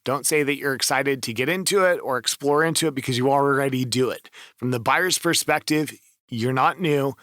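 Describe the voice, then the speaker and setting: A man's voice: medium pitch, normal speed, a bit bright, no echo, studio quality. A man giving enthusiastic, emphatic advice as a voice-over coach in a casual screen-share review.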